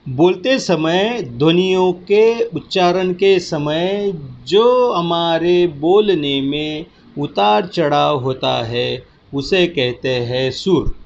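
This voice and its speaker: A male teacher gives a recorded lecture at a slow, deliberate pace. His voice sits fairly high, and he keeps stopping to check that his students are following. The sound is dull and lo-fi. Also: expressive, gravelly, a little hiss or hum. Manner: slow, patient explaining with repeated check-ins.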